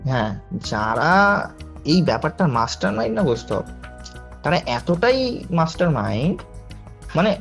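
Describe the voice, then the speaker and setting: Young guy w chatting thru a spooky story, bit high voice, faint music behind. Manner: chatty, keeps checking in with the listener. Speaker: caller sharing a true ghost story. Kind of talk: casual storytelling on a call.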